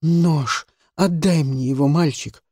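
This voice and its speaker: A man voicing a dying imprisoned woman who speaks slowly, weary and bitter. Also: medium pitch, animated, dark tone, breathy edge, no echo, clean studio sound, pitched above the performer's own voice. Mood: desperate.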